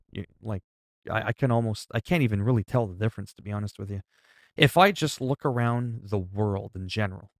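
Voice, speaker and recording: On a dry, studio-quality recording, a man in his forties with a voice on the low side chats profanely with his stream audience. He wanders from point to point, using everyday examples to explain things.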